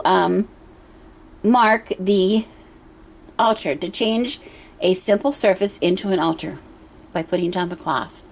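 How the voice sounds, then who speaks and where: A hoarse middle-aged woman talks to her own camera in a room at home, her voice husky and full of gravelly fry. She speaks gently and wanders from point to point, filling pauses with ums as she shows her things. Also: mid-range voice. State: hoarse from a cough. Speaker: pagan altar vlogger. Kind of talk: casual show-and-tell vlog. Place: indoor room at home with a water feature. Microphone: camera she handles herself.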